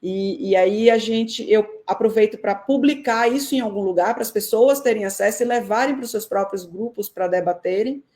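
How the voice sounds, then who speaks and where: A woman from Salvador with a Northeastern Brazilian accent, answering questions in a live-stream interview in a thoughtful, measured way with frequent hesitations over a video call. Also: mid-range voice, a little mellow. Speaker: guest researcher.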